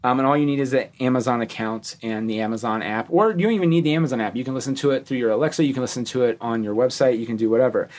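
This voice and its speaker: A man's voice: medium pitch, racing, few pauses, a little mellow. A man hosting a casual podcast, reading plugs and sponsor spots in a rambling, jokey way that keeps correcting itself. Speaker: podcast host.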